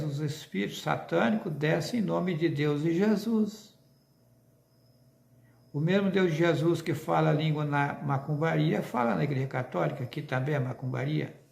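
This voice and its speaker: Gravelly Brazilian man preaching insistently. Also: on the high side, reverberant. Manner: insistent, with rhetorical questions. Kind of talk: religious monologue to viewers.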